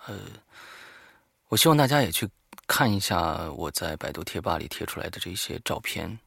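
A man talking informally and haltingly to listeners as the host of a horror story show, alone in a studio. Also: sits low, sing-song, creaky, a bit bright, slightly rough, dry recording. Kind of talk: informal spoken monologue to listeners.

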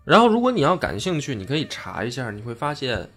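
A man hosting a casual history podcast, explaining deliberately and often rephrasing himself. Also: medium pitch, wildly swooping pitch, a bit bright, breathy edge. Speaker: podcast host.

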